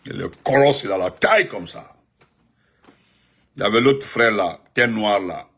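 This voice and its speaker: A man, giving animated live-stream political commentary and greeting viewers, repeating himself and jumping up in pitch when he stresses a point. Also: moderate pace, husky. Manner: excited, repetitive, pitch jumps up sharply when emphatic.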